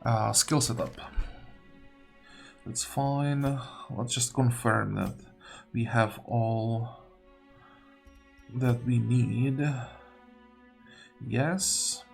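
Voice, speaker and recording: A man commentates on his own gameplay at an unhurried, slow pace. His mid-pitched voice has a lot of fry in it. He muses hesitantly to himself as he works through decisions, with faint music behind him. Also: steady tone. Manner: musing, hesitant, talking to himself. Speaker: gaming video host. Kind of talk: unscripted game commentary, thinking aloud.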